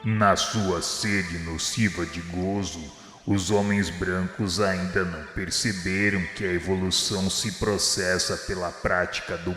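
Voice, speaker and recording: An actor playing Jesus in a radio drama as a grave, merciful divine master, speaking in measured, formal oratory. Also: male voice, low voice, a bit bright. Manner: measured, solemn, preaching declamation. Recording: echoey reverberant hall sound, music underneath. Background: music.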